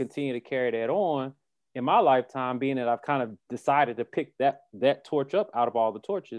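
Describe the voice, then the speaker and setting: A man with an unremarkable speaking voice and an American accent talks at a moderate pace. His pitch is medium, with ordinary pitch variation. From US South, Durham, North Carolina. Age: 30s. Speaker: financial educator. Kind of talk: casual interview.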